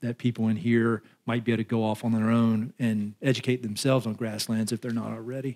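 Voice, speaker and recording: Against a quiet background, a man with a Southern US accent speaks at a fairly quick pace. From US South. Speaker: podcast host. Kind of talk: live interview. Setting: stage with audience.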